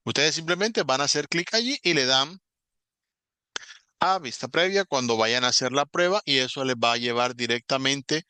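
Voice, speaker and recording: A man teaching an online English class, patiently explaining step by step and saying English words slowly as examples. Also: medium pitch, bright, forceful tone, slight background noise.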